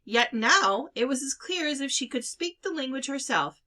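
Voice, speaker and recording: A woman reading a children's novel aloud as an expressive storyteller. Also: sits high, normal speed. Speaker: storybook reader.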